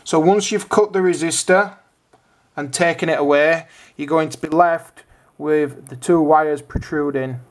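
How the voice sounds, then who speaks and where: Steady and unhurried, a British man with a slightly high-pitched voice guides viewers through an informal how-to video. Like a typical hobbyist host, he covers each step in order with simple, conversational wording.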